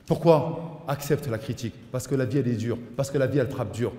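A middle-aged man, an imam, giving an animated mosque lecture and mixing in street slang. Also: mid-range voice, brisk. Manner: animated preaching, mixes in street slang, voices his son and inner voices. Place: mosque hall. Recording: echoey hall.

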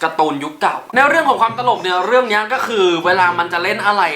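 A man talks as a casual online host, dropping English words into his commentary. His voice sits in a roomy echo, with music clearly playing behind him. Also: high-pitched, quick pace, pushed and bright. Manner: mixes English words into Thai. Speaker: YouTube host counting down favourite cartoons. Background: background music.

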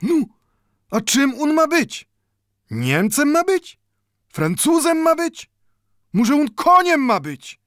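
A man's voice: mid-range voice, very animated, a little slow, pauses often, no echo, studio quality, voice pushed up. A man voicing an old Jewish bookbinder in an audiobook, speaking broken Polish full of "nu" and growing heated as he pleads. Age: older.

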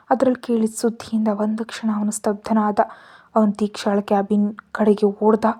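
A woman narrating a romance story in a scripted storytelling style, acting out the characters' lines herself. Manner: acts out both lovers' lines, louder and higher in quarrels.

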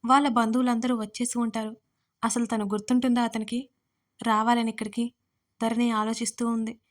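A woman narrating her own written audio story in a steady, even reading voice. Her pitch sits fairly high and stays flat through the telling. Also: fairly quick. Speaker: writer and narrator.

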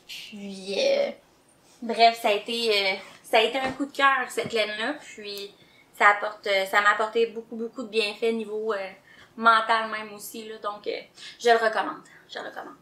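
A woman's voice: medium pitch, fairly even intonation, normal speed, pushed and bright. A woman with a Québécois French accent co-hosting a knitting podcast in casual chat, hesitant and stumbling over her words but enthusiastic. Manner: hesitant, many fillers and restarts, enthusiastic. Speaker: podcast co-host. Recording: roomy echo.

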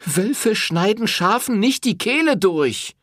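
A man voicing a fiery, proud young Sicilian woman in an audiobook, raising his voice high and defiant. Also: sing-song, slow pace, no echo, studio quality, heavily acted. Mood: desperate. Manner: shouting, defiant, raised high voice. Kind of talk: audiobook character voice.

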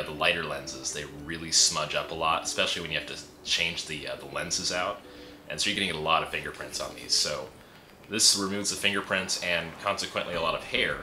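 With a bass voice and a sharp tone, a young man reviews a product in an easygoing, chatty way, dropping frequent fillers. He speaks into a camera in an indoor room with a pegboard wall, where the roomy echo and slight background noise come through.

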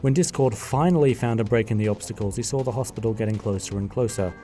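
Guy narrating a fan radio play, low mellow voice, jokey. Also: fast, soft background music.

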